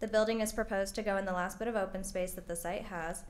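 A woman is speaking. Her pace is very fast. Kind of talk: formal staff presentation. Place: hall. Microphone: podium.

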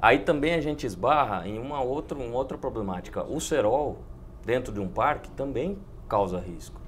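Against light background noise, the speaker's voice shows vocal fry and lively intonation at a moderate pace. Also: man. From Bauru, interior of São Paulo state; São Paulo state. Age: 30s. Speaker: fire department captain; guest. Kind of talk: studio debate. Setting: studio. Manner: formal. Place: studio. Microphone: lapel.

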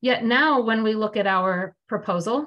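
A woman speaks with lively intonation. The background is quiet. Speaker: town councilor. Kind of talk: council meeting deliberation. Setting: video call. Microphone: video call.

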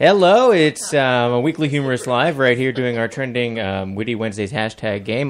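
A man at a fairly quick pace. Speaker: podcast host. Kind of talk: casual podcast chat. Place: studio.

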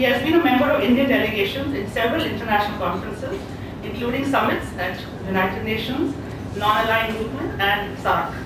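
Someone speaks at a very fast pace, with audible room echo and noticeable background noise. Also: woman. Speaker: event host introducing the speaker. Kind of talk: formal introduction. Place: hall. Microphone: podium.

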